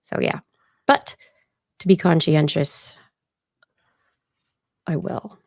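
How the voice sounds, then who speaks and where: A woman co-hosting a podcast, hoarse, chatting in a rambling, casual way with soft asides. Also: deep voice, fairly even intonation, slow pace, no echo, clean studio sound. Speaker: podcast co-host. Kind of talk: casual chat.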